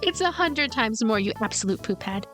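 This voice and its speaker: A woman's voice: on the high side, animated, normal speed, music in the background, close to an everyday voice. A woman voicing a brash young woman in a game, playfully teasing and trading mock insults with friends.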